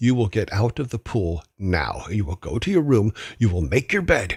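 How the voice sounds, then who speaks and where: Using a put-on character voice, a man speaks at a moderate pace, fairly low in pitch, with very wide pitch swings. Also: very clean recording, silent background. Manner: stern, commanding.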